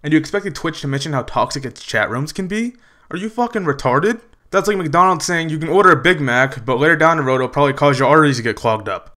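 A man rants angrily through a commentary video, full of sarcasm and swearing. His voice is bright and forceful, with a sharp edge that cuts through. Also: fairly high pitch, quick pace, hardly any pauses. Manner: angry, sarcastic and profane. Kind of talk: ranting commentary.

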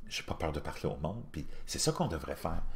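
Middle-aged male vlogger, low voice, Quebec French accent, blunt and earthy casual monologue. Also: sing-song, brisk. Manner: colloquial, blunt, crude, philosophizing. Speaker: YouTube channel host.

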